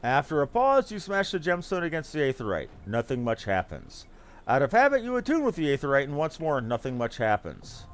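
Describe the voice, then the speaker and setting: A man's voice: a little high, huge pitch swings, brisk. A man giving casual live commentary as he streams a game, reading on-screen text aloud and swearing mildly.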